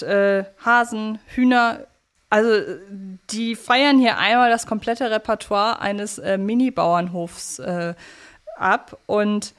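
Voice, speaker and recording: A female podcast host with a mid-range voice, chatting casually about audio drama. Her manner is wry and amused. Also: mid-range voice.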